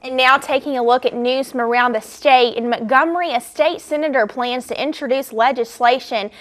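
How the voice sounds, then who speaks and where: A young woman reads the news for a college program, her voice fairly high. She moves evenly through the scripted headlines. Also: brisk. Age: young adult. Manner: even scripted news delivery. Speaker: news anchor. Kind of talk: student newscast reading.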